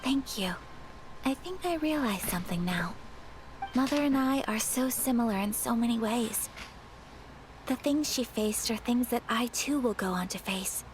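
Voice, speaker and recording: A woman voicing a gentle, polite young noblewoman in a video game, soft-spoken and formal. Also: fairly high pitch, expressive, moderate pace, slight background noise, natural voice, low-quality recording. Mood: earnest. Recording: game audio with background music.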